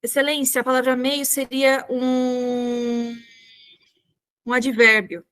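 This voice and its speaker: A woman with a Brazilian Portuguese accent answers exam questions in a fairly high voice. She addresses the examiner politely and formally. She often hesitates with fillers as she works out her answers. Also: little pitch movement, takes it slowly, fairly bright tone. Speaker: exam candidate.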